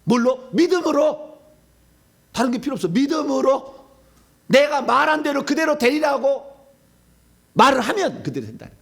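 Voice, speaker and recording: A middle-aged male pastor giving a sermon, preaching animatedly and acting out demons' pleas and shouted commands. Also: extremely high pitch, very animated, normal speed, creaky, pauses often.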